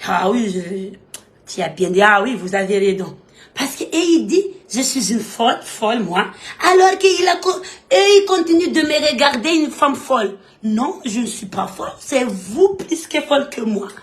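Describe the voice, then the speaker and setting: A woman from Madagascar hosts a live stream, reading comments and chatting casually in French while scolding her viewers with emphatic repetition. Her voice is a little high, with lively intonation and a moderate pace.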